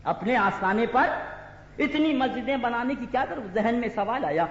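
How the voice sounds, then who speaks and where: A man preaching an impassioned sermon, urging the crowd to respond and rising to shouts. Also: very high voice, lively intonation. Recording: echoey hall, muffled lo-fi sound.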